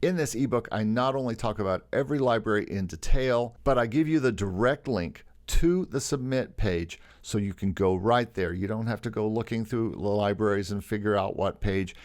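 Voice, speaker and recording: Upbeat salesy man with a lowish voice. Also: normal speed, hardly any pauses, darkish tone. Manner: enthusiastic, salesy, calls himself a carnival barker. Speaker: YouTube host teaching music licensing. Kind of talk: upbeat promotional tutorial.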